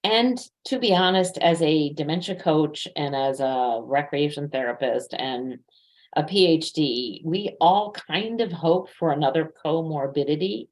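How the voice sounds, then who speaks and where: A woman with a low-pitched voice presents in an informal, educational style. She talks conversationally, like a coach explaining things from her own experience. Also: darkish tone. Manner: conversational, illustrates points with personal anecdotes.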